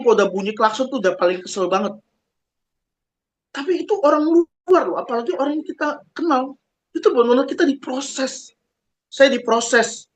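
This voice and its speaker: A man giving a testimony-style talk over a video call, animated and speaking straight to his listeners. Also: high-pitched. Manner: animated, acts out quoted voices, addresses listeners directly. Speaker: speaker at a fellowship meeting.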